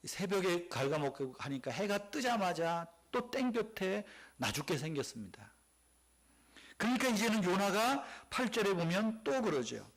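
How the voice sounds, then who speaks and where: Gravelly, animated Korean pastor. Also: male voice, high voice, moderate pace. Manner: animated storytelling, acting out quotes, dropping to near-whispers. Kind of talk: sermon. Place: church sanctuary.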